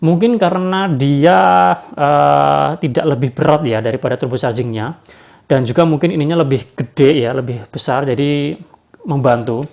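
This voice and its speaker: A man's voice: on the high side, normal speed, vocal fry, a little mellow. A man giving a casual spoken product review, hesitant, with many fillers and tag questions. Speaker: badminton racket reviewer. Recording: dull lo-fi sound.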